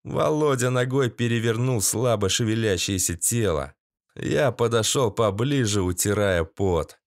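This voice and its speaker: A man's voice: fairly low pitch, animated, measured pace, no echo, clean studio sound. A man reading a first-person audiobook in a tense, gritty way with crude slang. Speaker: audiobook narrator.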